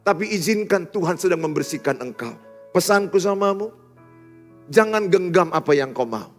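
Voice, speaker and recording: A man, preaching a sermon in a large church hall. He builds cadenced lists with loud emphasis, then drops into soft, intimate asides. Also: sits high, lively intonation, moderate pace. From Indonesia. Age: 50s. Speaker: pastor. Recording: long hall reverb with faint music.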